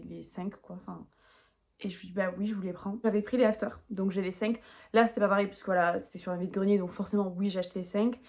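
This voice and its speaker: A woman's voice: mid-range voice, darkish tone. A woman vlogging casually about books she owns but has not read, chatty and self-mocking, rambling with many asides. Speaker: book vlogger. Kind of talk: casual chat to camera.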